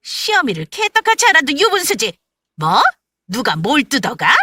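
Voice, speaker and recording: A woman voicing an overbearing older mother-in-law with a sharp, piercing voice and a scolding manner. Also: a little high, big pitch swings, normal speed. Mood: outraged. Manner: scolding, demanding.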